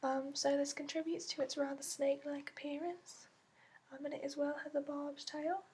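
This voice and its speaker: A woman playing a gentle female dragon expert in a soft-spoken, partly whispered ASMR fantasy roleplay, explaining slowly and hesitantly in a put-on accent. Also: high voice, flat delivery, a little hiss or hum, natural voice. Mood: gentle, informative. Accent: put-on, non-native to the performer.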